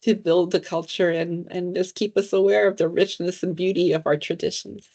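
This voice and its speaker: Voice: mid-range voice, little pitch movement, moderate pace, a little mellow. An audience member on a video call, effusive and grateful as they thank the speaker. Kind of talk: appreciative comment in a Q&A. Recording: muffled online call audio.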